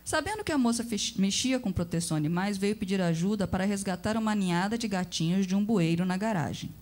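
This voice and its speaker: A woman reading a story aloud with expressive, measured narration. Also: medium pitch.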